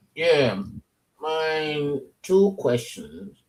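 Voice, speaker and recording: Speaking at a very slow pace, a man has a fairly high pitch. He talks with a Liberian accent. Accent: Maryland County Liberian. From Liberia, Maryland County. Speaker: panelist on political talk show. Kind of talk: live talk show discussion.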